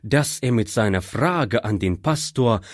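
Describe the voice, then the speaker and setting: Slow husky male storyteller. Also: lowish voice, dry recording, studio quality. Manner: slow, measured, expressive storytelling. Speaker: narrator. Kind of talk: reading a devotional story aloud.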